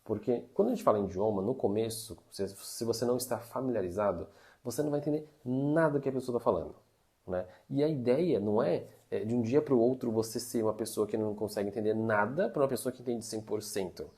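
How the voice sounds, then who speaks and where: A man's voice: medium pitch, fast, mellow. A man teaching Mandarin tips in a chatty, casual monologue, full of fillers. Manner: chatty, uses many fillers like "né" and "tá".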